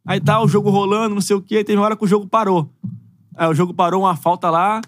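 A man's voice: high-pitched, little pitch movement, very fast, dry recording, clean studio sound. A young adult man from Brazil, a footballer guest telling stories in laid-back slangy chat. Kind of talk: casual storytelling.

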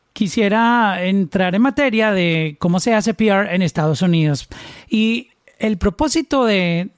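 A man's voice: high-pitched, no echo, clean studio sound. A Colombian man hosting a casual interview, chatty and joking about his own pronunciation. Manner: chatty, reads out a long list of names, jokes about his pronunciation. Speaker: interview host.

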